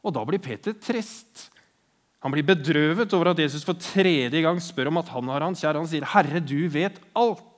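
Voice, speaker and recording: A man preaching a sermon, retelling the story earnestly and voicing the people in it as he goes. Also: on the high side.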